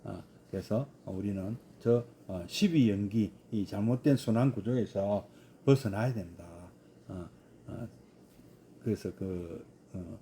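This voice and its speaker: A man's voice: fairly low pitch, slow pace, warm tone, a little hiss or hum. A man, a Buddhist monk, giving a scripture study lecture with many hesitant fillers and rhetorical questions.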